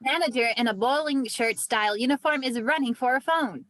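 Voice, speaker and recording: A woman's voice: sits high, a little fast, a bit bright. A woman narrating the stage directions of a script at a table read.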